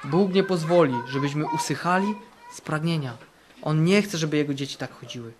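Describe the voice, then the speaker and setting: A male camp preacher in full sermon mode, his fairly high voice rising for bold declarations and dropping for quiet, earnest passages. He drives points home by repeating key phrases. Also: brisk, background noise. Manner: fervent, repeats phrases for emphasis, swings between loud and hushed. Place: camp meeting.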